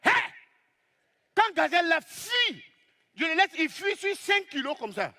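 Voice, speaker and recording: A man telling a comic story on stage as a stand-up comedian, lively and exclaiming as he acts out the scenes. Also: extremely high pitch, moderate pace.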